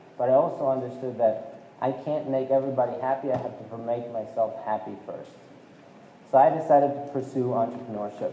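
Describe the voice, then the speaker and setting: Against noticeable background noise and audible room echo, a man speaks at a fairly quick pace in a medium pitch with fairly even intonation. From Poland. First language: Polish. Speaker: motivational speaker. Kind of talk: motivational talk. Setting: stage with audience.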